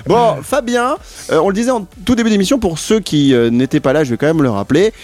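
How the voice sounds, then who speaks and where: A man's voice: high voice, animated, fast, a little mellow. A man hosting a radio show, presenting a guest in loose, jokey patter at a studio mic. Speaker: radio host. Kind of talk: casual radio chat. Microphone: studio microphone.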